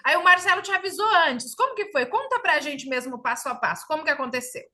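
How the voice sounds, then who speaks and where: Bright high-voiced woman interviewer. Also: lively intonation, fast. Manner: addresses viewers, exclamatory. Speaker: interviewer for an exchange agency. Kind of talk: casual interview.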